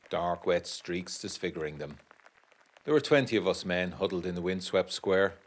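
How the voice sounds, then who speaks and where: A man acting an educated 1920s gentleman who reads out his uneasy letter in a formal, measured, literary way. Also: low voice. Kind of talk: dramatic reading of a gothic period letter.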